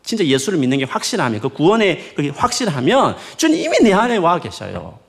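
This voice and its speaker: A male pastor delivers a sermon, his voice swooping high and low as he leans into each point. There is a gravelly fry in his tone, and he coaxes his listeners with rhetorical questions in a warm, conversational manner. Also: a little fast. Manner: lively, rising and falling emphatic preaching.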